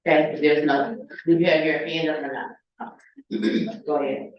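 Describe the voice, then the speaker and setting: A man chairing a city council meeting, moving through agenda items in a halting, procedural way. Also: fairly high pitch, fairly even intonation, slight background noise. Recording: dull echoey chamber audio from far off.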